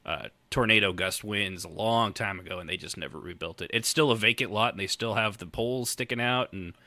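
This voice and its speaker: A man's voice: fairly low pitch, a little fast, bright, forceful tone, no room sound. An American man hosting a podcast, chatting casually with wry humor and the odd bit of swearing. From United States. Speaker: podcast host. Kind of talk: casual comedic podcast chat.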